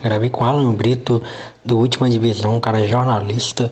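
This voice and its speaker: A man speaks with noticeable background noise. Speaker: co-host doing intro and ad read. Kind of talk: scripted-style promo intro.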